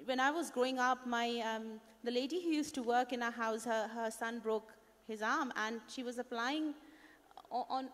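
A woman chef speaking on a conference panel, telling stories with hesitant fillers into a handheld mic. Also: sits high. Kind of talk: panel discussion on stage. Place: large conference stage. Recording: long hall reverb.

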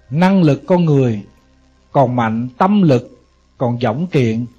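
Over faint background music on a dull lo-fi recording, a monk gives a Buddhist sermon in a Southern Vietnamese accent. His medium-pitched voice is warm and husky. He preaches in a conversational style, asking his listeners rhetorical questions.

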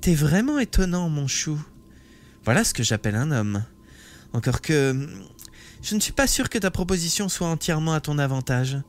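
A manipulative teenage girl, put on by a male reader, speaks in a high, quavering voice that she makes tremble on purpose. She plays weak and tearful, pitched well above the reader's own range, in a storybook reading. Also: big pitch swings, moderate pace. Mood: mocking. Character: scheming teenage schoolgirl feigning tears.

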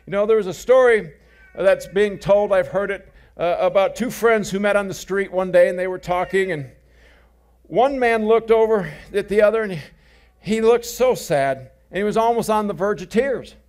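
A man's voice: sits high, moderate pace, a little mellow. A middle-aged male pastor preaching a sermon, telling stories with jokes and repeating his key phrases.

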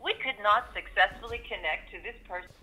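A woman's voice: medium pitch, fairly quick, bright, forceful tone. A recorded woman's voice giving polite, scripted voicemail announcements, heard over a phone line. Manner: polite, scripted, evenly spoken. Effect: played over a phone line. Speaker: automated voicemail prompt. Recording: noisy phone-line call audio.

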